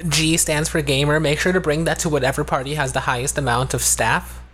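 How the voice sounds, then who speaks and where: A man's voice: on the high side, flat delivery, a little fast, a bit bright. A man co-hosting a podcast, chatting casually and hedging his points. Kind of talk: casual chat.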